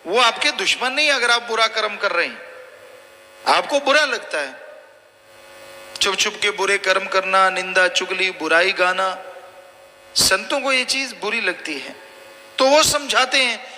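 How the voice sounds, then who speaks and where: A man's voice: high-pitched, a little slow, long pauses, sharp tone. A man preaching a sermon, warning his listeners again and again. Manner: exhorting, repetitive warnings. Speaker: spiritual preacher. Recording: long hall reverb, faint noise.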